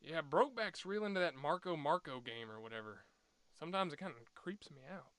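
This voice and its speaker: Brash soldier, high voice, lively swings, scornful slang, cartoon comedy. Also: male voice, fairly quick, no echo. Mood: mocking. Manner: slangy, mocking. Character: brash, scornful male soldier, loudly opinionated.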